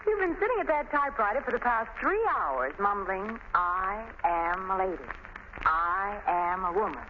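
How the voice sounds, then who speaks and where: A woman's voice: medium pitch, animated, moderate pace, close to an everyday voice. A woman playing a witty young society woman in a 1930s radio drama, playful, teasing and sardonic. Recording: muffled, noisy 1930s radio recording.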